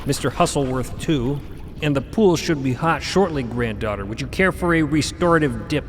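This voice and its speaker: An actor playing an eccentric, cryptic elder grandparent in an audio drama, with formal, theatrical diction. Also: male voice, medium pitch, moderate pace, in a large hall, a little hiss or hum, lightly acted. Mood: genial, airy. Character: eccentric elder robed mother-figure, male, grandparental, breezy and cryptic.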